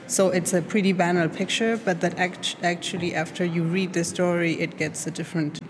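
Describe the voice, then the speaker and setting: A woman's voice: on the low side, little pitch movement, fairly quick. Hesitant woman. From Chile. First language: Spanish. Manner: hesitant, searching for words, many fillers. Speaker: art student. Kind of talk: interview answers. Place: art academy studio. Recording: noisy recording.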